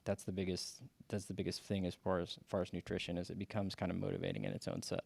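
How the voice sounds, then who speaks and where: A man in his forties talking casually as a podcast guest, halting with many restarts and fillers. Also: low voice, level tone, creaky, darkish tone, husky, no room sound. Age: 40s. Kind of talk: casual interview chat.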